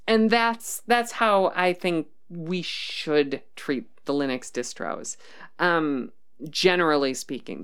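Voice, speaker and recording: A woman's voice: on the low side, a bit bright, smooth. A woman hosting a casual livestream, reading chat comments and thinking aloud with many ums and restarts. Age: adult, worked as a developer.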